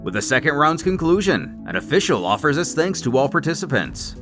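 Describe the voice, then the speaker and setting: A man's voice: on the high side, big pitch swings, brisk, over music. A man delivering scripted story recap narration in a dramatic storytelling manner, with wry asides.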